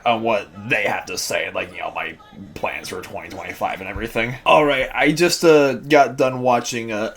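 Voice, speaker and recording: Rambling young man in a casual vlog. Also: medium pitch. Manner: rambling, many fillers and restarts; excitable fan talk. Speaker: host.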